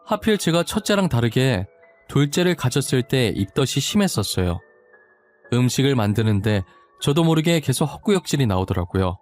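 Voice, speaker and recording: A man narrating a first-person story in a confessional, expressive way. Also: medium pitch, brisk, faint music behind.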